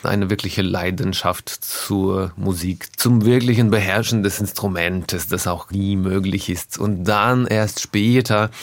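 A native Russian speaker from Russia appears as a musician guest in a radio interview, speaking thoughtfully and often pausing to search for his words. His voice is low-pitched, with no room sound.

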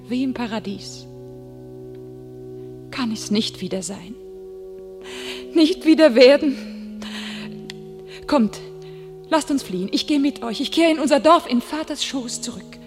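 An actress playing a tormented, homesick young shepherdess turned warrior, declaiming solemnly and fervently in a classical radio play. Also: female voice, a little high. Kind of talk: classical German stage verse radio acting. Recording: radio play with loud music behind.

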